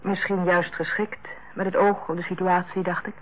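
An actress playing a tactful, composed middle-aged hospital director in a Dutch radio play, speaking in a measured, formal way. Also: female voice, fairly low pitch, flat delivery, lightly acted. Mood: businesslike. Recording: tinny, narrow-band old radio recording.

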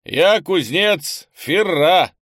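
A man voicing a big, loud, dangerous blacksmith who barks his lines. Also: expressive, extremely slow, dry recording, studio quality, exaggerated voice. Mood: booming. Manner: booming, barking.

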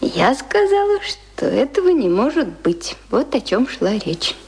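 A woman's voice: high-pitched, very animated, a little slow, a little mellow, slightly rough, full character voice. An actress playing a sheltered, naive young woman of good family in a Russian radio play, anxious and affectionate, with hesitant repeats. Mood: coy, affectionate.

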